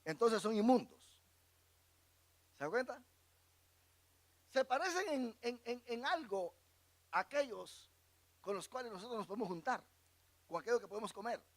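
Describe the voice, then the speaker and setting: This male pastor's voice is very high-pitched with lively intonation, moving at a normal pace and pausing often. He reads scripture verses aloud in a Bible class, explains them, and prompts the congregation to supply the missing words.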